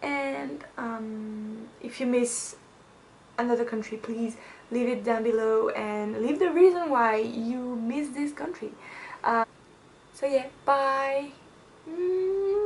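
Speaking with a French accent at a very slow pace, a woman uses a high pitch and lively intonation, pausing long and often over light background noise. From France. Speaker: YouTuber. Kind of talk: casual vlog monologue. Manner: hesitant, with filler sounds. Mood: playful, wistful. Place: home room. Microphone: phone near.

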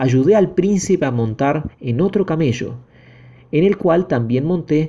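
A man with a dramatic, dark, mellow tone at a fairly slow pace. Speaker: audiobook narrator. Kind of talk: audiobook reading aloud, dramatic narration. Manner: dramatic, urgent, with tension and emotion; first-person storyteller voicing characters' dialogue.

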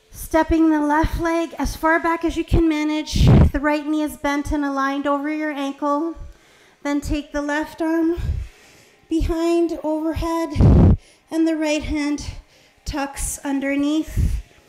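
A woman's high-pitched voice at a fairly slow pace, flat and monotone in intonation. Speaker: yoga instructor. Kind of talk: guided yoga instruction. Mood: calm, soothing.

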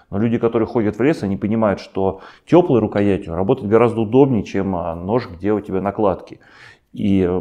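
This man has an unremarkable speaking voice, pitched fairly low. He talks at a fairly quick pace with ordinary pitch variation. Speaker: knife channel host. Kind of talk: casual interview chat. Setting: studio.

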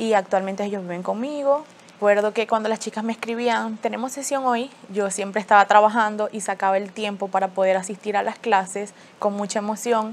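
A woman talks at a fairly quick pace with fairly even intonation. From Venezuela. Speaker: hairstylist. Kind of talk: personal testimony. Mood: calm, reflective, some sadness. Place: studio.

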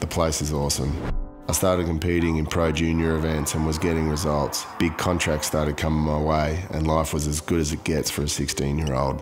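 Over music in the background, a man with an Australian accent talks at a fairly quick pace with hardly any pauses, in a very deep, low pitch, with monotone, flat intonation and very even loudness. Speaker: pro surfer. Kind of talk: autobiographical documentary narration.

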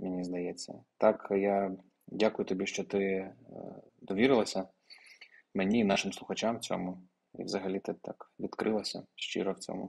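A man speaks in a flat monotone at a fairly low pitch, with long, frequent pauses over a quiet background. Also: moderate pace. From Ukraine. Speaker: podcast host, journalist and business coach; podcast host. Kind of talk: interview. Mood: warm, empathetic. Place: home room. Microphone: earbuds.

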